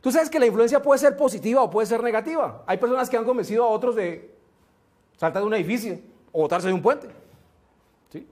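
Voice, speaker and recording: A man giving a motivational seminar talk, slow and emphatic, often asking rhetorical questions. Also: extremely high pitch, expressive, darkish tone. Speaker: motivational speaker.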